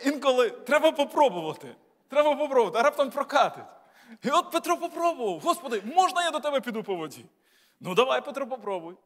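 A bishop preaching a sermon in a church, talking to the congregation in a conversational, lightly humorous way with many rhetorical questions. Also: male voice, very high-pitched, a bit bright. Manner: lightly humorous, tells jokes. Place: church sanctuary. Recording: long church reverb.

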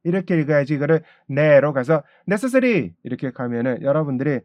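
Lively Korean man teaching pronunciation. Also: a little high, dry recording, muffled recording. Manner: repeats English phrases slowly and drawn out between quick Korean explanations. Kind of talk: pronunciation lesson.

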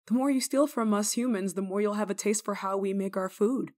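A woman playing a kindly, rule-breaking nun in an ASMR roleplay, speaking to the listener in a gently teasing, caring manner. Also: mid-range voice, fairly quick, lightly acted. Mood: amused teasing. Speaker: roleplay voice actor.

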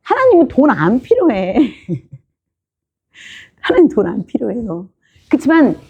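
A woman's voice: on the high side, warm tone, husky, muffled recording. A woman pastor preaching a sermon in an informal, questioning way, often asking the congregation whether they understand.

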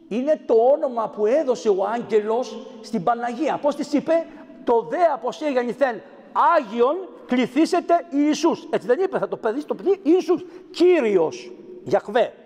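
A priest delivers an animated sermon in a fairly high, lively voice that swings up and down. He teaches as he goes and acts out the words he quotes. His voice rings through a church with a long echo. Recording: echoey church hall.

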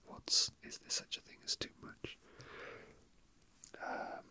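A man hosts ASMR in a soft whisper with a very bright, airy edge. He rambles casually and hesitantly, as if thinking aloud to himself. The delivery is breathy and close-up throughout. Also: slow, dry recording. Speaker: ASMR host.

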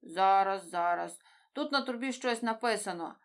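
A woman's voice: medium pitch, normal speed, natural voice. Woman doing Dory, a forgetful friendly fish. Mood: searching. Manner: scatterbrained, hesitant then lively. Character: forgetful kind female fish.

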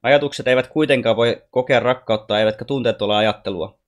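Guy reading a chill wise alien kid from a storybook, patient and gentle. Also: medium pitch, close to an everyday voice. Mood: gently teaching. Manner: calm, patient, teaching.

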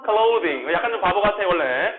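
A male teacher running a classroom English lesson, drilling pronunciation and asking quick check questions. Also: high-pitched, big pitch swings. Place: small classroom. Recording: tinny phone-like classroom recording.

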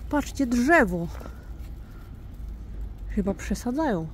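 A woman's voice: a little high, very animated, slow. A woman in her thirties from Poland, chatting casually and playfully into a phone held at arm's length while she walks outside under an umbrella. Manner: chatty, playful, self-ironic. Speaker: vlogger. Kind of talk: casual vlog chat. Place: snowy city streets outdoors, under an umbrella. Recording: faint street noise and passing cars.

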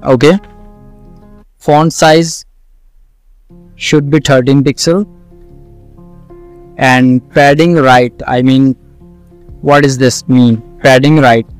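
Slow, clear South Asian man teaching. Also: medium pitch, fairly even intonation, soft background music. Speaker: coding tutorial instructor. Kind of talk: screen-recorded tutorial, explaining step by step.

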